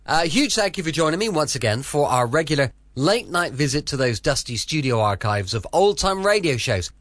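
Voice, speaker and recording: A man from the UK hosting a podcast from home, relaxed and chatty. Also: on the high side, fairly quick, no room sound. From United Kingdom. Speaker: host. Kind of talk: casual podcast introduction.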